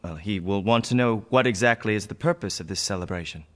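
A man's voice: fairly low pitch, fast talker, dry recording, close to an everyday voice. An actor playing a humble, courteous Native American man in a radio drama, speaking in a thoughtful, formal, deferential way. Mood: courteous, curious. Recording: faint music behind. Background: faint music.

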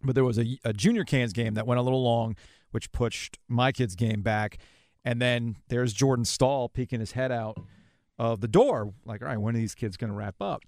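A man's voice: medium pitch, normal speed, darkish tone, no echo, studio quality. A man in his forties hosting a sports podcast, chatting informally in a casual interview style. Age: 40s. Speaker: podcast host.

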